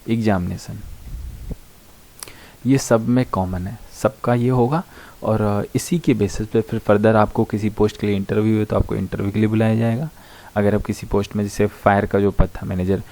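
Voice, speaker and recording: A man's voice: on the low side, mellow. An Indian man giving an informal explainer to students, going point by point in a conversational way with frequent short check-in tags. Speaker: online educator explaining job vacancies to students. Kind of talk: informal explainer, talking through a notice point by point.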